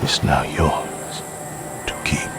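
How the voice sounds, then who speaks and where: An actor playing the spirit of an old cursed blade, speaking gravely and solemnly of his own end in a story game. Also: takes it slowly, over loud music, lightly acted. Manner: grave, solemn farewell speech. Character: ancient male sword spirit, weary and proud. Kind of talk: game voice acting.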